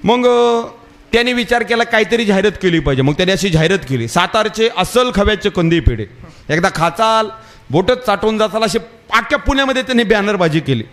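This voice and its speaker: A man's voice: high voice, animated, brisk, fairly bright tone. A man preaching a devotional kirtan sermon at a live gathering. He tells parables in a conversational way and keeps calling on the listeners to pay attention. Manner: addresses the audience directly with repeated calls to listen.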